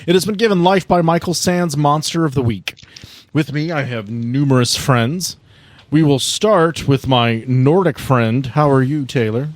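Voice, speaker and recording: A man's voice: fairly high pitch, a little slow, dry recording. A man in his thirties hosting a tabletop game podcast, chatting casually and recapping the story as game master. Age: 30s.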